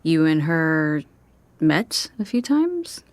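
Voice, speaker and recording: A woman acting as a caring, searching young niece, hesitant and gently pleading, in a naturalistic audio drama. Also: sits low, big pitch swings, takes it slowly, dry recording, full character voice. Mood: tentative.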